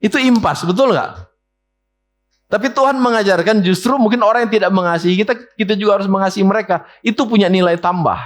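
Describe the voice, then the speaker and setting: A man, preaching a sermon in a church, often asking the congregation questions and mimicking complaints in a higher voice. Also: quick pace. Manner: mimics whiny complaints in a high voice. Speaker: pastor. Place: church hall.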